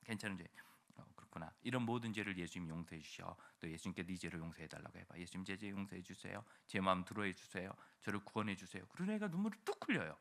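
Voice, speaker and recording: A man's voice: low-pitched, quick pace, gravelly. A male pastor preaching a sermon in a church, telling a story and acting out the voices of the people in it. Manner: animated storytelling, acts out quoted voices.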